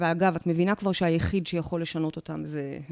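A woman's dark, mellow tone at a fairly quick pace against a quiet background. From Israel, Haredi upbringing. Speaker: author and spiritual teacher. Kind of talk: guided visualization; podcast interview.

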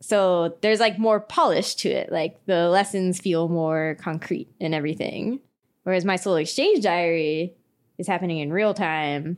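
A woman with an ordinary speaking voice, fairly low in pitch, in an American accent, at a moderate pace with ordinary pitch variation, in a very clean recording with a silent background. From Philadelphia, US. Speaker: podcast host. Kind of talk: casual chat. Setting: at a kitchen table. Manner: laughs often.

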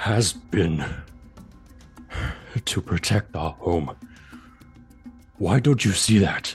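A man does a gruff put-on character voice with fairly low pitch at a very slow pace, with clear music in the background. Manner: angry, snarling.

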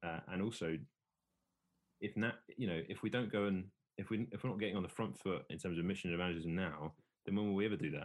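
A man with a southern English accent speaks at a very fast pace with a very deep, low pitch. His pitch varies in an ordinary way, and he leaves long, frequent pauses. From England, Essex. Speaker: pastor. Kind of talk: interview conversation.

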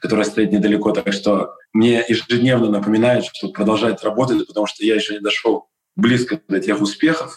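With a non-native accent, the speech moves at a moderate pace. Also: man. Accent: non-native Russian. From Israel. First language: Hebrew (speaking Russian). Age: 40s. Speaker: real estate broker. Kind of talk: interview.

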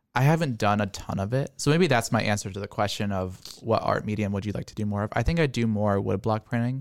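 With hardly any pauses, a man speaks very fast in a fairly low voice with ordinary pitch variation, on a very clean recording with a silent background. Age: 20s. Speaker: artist. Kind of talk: casual interview.

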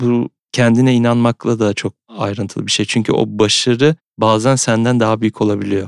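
Recorded very cleanly against a silent background, a man with a plain, everyday voice talks at a moderate pace and medium pitch, his intonation fairly even and the sound dry and close with no echo. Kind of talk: casual interview chat.

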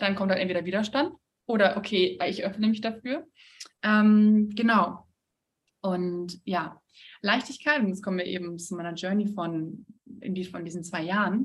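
At a moderate pace broken by long, frequent pauses, a woman speaks in a somewhat breathy, medium-pitched voice with ordinary pitch variation. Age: 20s. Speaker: therapist. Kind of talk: casual chat.

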